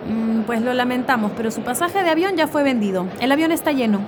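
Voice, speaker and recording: A polite but unbending female airline agent acted by a woman speaks fast in a fairly high voice. Her courtesy is formal and scripted, with noise behind her. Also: expressive, natural voice. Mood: polite, unyielding. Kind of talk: acted dialogue in a public-service spot.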